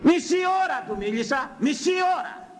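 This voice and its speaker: A man's voice: very high-pitched, expressive. An older man, a priest, giving a sermon on scripture, emphatic and repeating phrases for effect.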